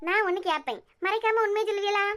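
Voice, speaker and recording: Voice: very high-pitched, rapid-fire, fairly bright tone. A performer voicing a playful, teasing young wife in a cartoon, chatty and wheedling. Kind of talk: cartoon voice acting.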